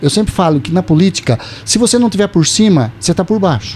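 A man talks at a high pitch with lively intonation. Noticeable background noise sits behind him. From Piracicaba, São Paulo state, Brazil. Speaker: state legislator, former mayor. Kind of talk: interview. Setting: studio. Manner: hesitant, many fillers.

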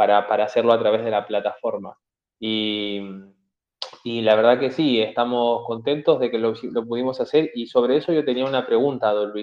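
A man with an unremarkable speaking voice talks at a moderate pace, his medium pitch held in fairly even intonation. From Chile. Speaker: caller, prospective migrant. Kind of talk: question in group call. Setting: online voice chat.

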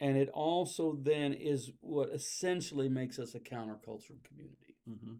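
A man speaks at a fairly quick pace with a fairly high pitch, a dark, mellow tone, ordinary pitch variation and big swings in loudness. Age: 60s. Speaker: pastor and author. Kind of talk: interview.

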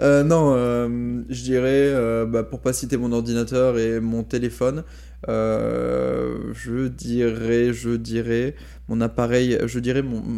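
Speaking very slowly, a man's voice is heard with audible echo from the room. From Brittany, France. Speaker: podcast guest, host's flatmate. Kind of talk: casual chat.

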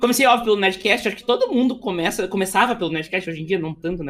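A woman with lively intonation. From Rio Grande do Sul, Brazil (Montenegro). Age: 20s. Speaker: podcaster and streamer. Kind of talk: casual interview on a live stream. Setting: live stream. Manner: fast.

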